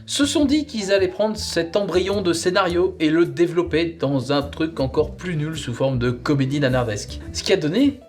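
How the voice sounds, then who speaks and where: A man presenting a comic, conversational review, rambling playfully and drawing out words for emphasis. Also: on the high side.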